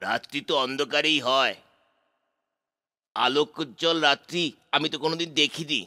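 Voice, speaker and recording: A man's voice: fairly high pitch, moderate pace, pushed and bright. A man voicing a dim, literal-minded henchman in a children's cartoon, with a simple-minded manner. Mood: flat, contrary. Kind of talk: animated children's cartoon acting.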